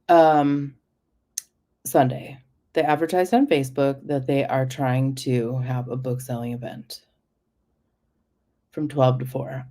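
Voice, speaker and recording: A woman with a low voice hosts a casual livestream and chats loosely. She rambles, trails off and hops between topics, in an easygoing, talkative way. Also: darkish tone. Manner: rambling, chatty, drifts off topic. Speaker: livestream host.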